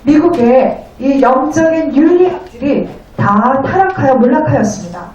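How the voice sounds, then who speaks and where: A woman interpreting a lecture phrase by phrase in a polite, formal, somewhat halting way. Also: high voice, lively intonation, dull audio, a crowd in the background. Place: echoey indoor venue. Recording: very echoey, distant room.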